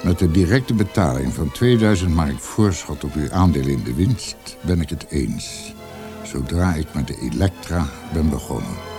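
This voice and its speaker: A deep-voiced, formal businessman. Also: expressive, moderate pace. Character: businesslike man formally setting out terms of a letter. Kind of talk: radio play acting. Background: music.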